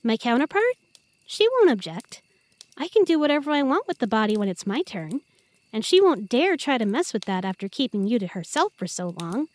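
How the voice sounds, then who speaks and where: A woman's voice: a little high, very animated, fairly quick, darkish tone, no echo. A woman playing a playful, possessive werewolf girlfriend in an intimate roleplay audio, talking to the listener in a teasing, affectionate way. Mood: eager, affectionate.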